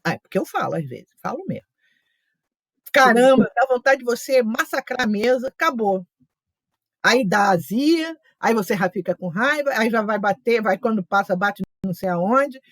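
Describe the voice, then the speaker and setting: A woman's voice: fairly high pitch, expressive, moderate pace, no room sound. A woman leading a study group, teaching in a chatty, story-filled way with asides and quoted remarks. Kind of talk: casual teaching talk.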